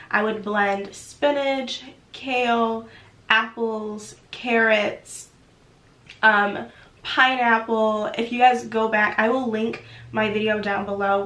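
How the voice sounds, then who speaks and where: A woman's voice: medium pitch, fairly bright tone, reverberant. A young woman vlogger talking casually to her viewers, sounding nasal from a cold, with lots of "like" fillers. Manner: chatty, filler-heavy with frequent "like". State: sick, nasal. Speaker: YouTube vlogger. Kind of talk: chatty vlog talk.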